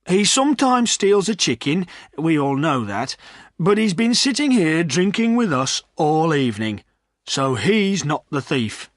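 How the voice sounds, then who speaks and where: A man's voice: on the high side, very animated, a little slow, dry recording, clean studio sound, pitched above the performer's own voice. A man doing a firm, peacekeeping innkeeper. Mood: calming. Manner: firm, soothing.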